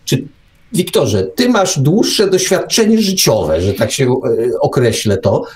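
A man's voice: mid-range voice, big pitch swings, slow, a little mellow. A man hosting a radio talk show, giving opinions conversationally, with ironic exaggeration, rhetorical questions and repetition for emphasis. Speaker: podcast host.

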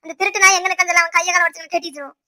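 A very high, bright cartoon voice of a village mother-in-law, with a Tirunelveli Tamil accent. She fires off scolding lines at breakneck speed, sharp and relentless. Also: fairly even intonation. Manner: sharp, scolding, rapid-fire. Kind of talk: cartoon voice acting.

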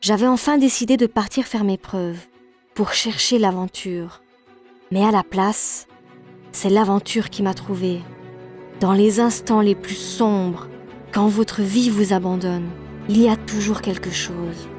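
A woman's voice: mid-range voice, steady tone, measured pace, darkish tone, natural voice. Woman doing young adventurer heroine, solemn n resolute, trailer style, faint music behind. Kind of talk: dramatic film trailer narration.

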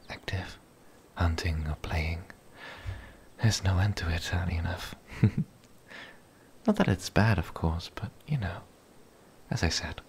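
A man playing a lonely, gentle, shy young werewolf in a whispered ASMR roleplay, speaking breathily, softly and haltingly. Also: a little hiss or hum. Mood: sympathetic, tender. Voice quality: breathy whisper, low and creaky. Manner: hesitant, halting, soft-spoken.

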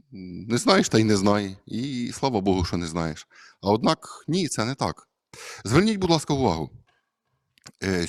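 A man's voice: medium pitch, no room sound, studio quality. A man, a Catholic priest, giving a conversational homily full of hesitations and fillers.

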